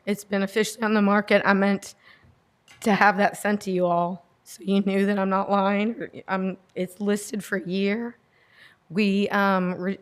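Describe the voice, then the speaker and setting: A middle-aged woman with a loud voice giving informal testimony at a public meeting, earnest, defensive and rambling. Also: mid-range voice. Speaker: property owner addressing a board. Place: indoor public meeting room.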